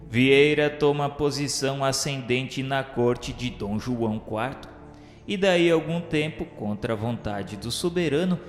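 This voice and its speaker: A man reading formal, solemn scripted narration for a devotional radio drama. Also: medium pitch. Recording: echoey reverb, faint music behind. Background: soft music.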